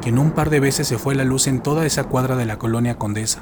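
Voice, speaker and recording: At a moderate pace, a man talks in a medium pitch with fairly even intonation, and noticeable background noise can be heard. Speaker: horror story narrator. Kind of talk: ghost story telling, hushed scripted narration of a first-person horror tale.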